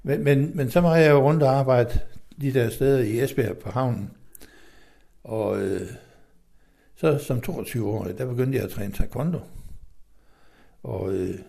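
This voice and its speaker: A middle-aged man from western Denmark, an interview guest telling his life story in a rambling, halting way with many fillers and restarts. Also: medium pitch, gravelly, mellow.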